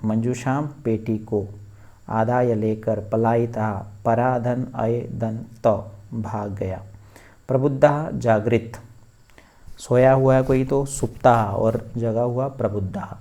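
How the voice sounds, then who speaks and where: A male teacher explains a textbook lesson line by line. He speaks slowly and deliberately, at a medium pitch, stopping to spell out word meanings. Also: darkish tone.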